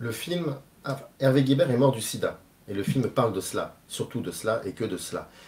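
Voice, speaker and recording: A man keeps to a moderate pace, his intonation lively throughout. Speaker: channel host. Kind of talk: interview commentary. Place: home room.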